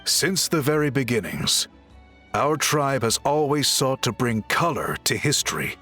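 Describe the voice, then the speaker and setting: A man playing an earnest, courteous tribal craftsman and reformer in a video game, speaking in polite, measured, articulate phrases. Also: medium pitch, very animated, bright, forceful tone. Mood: earnest, resolute. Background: background music.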